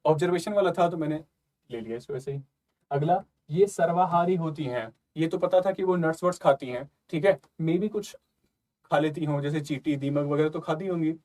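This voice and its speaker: A man talks through exam questions like a friendly tutor, loose and conversational. His voice sits a little high but sounds soft and mellow, and he keeps checking in with his listeners as he reasons aloud. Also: normal speed. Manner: conversational, repeats "ठीक है" and "ना" often. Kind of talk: casual explanatory lesson.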